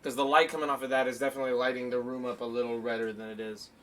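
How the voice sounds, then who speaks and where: A man co-hosting a casual podcast livestream, chatting quickly and teasing with frequent laughs. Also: medium pitch, little pitch movement. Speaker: podcast co-host. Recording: distant mic, faint background noise.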